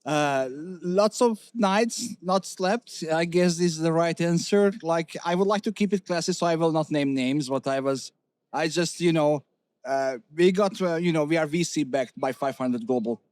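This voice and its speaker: Candid middle-aged man, higher voice, dry sound. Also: moderate pace, dry recording. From Hungary. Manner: candid, animated, many fillers and restarts. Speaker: company CEO, guest. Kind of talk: casual interview talk.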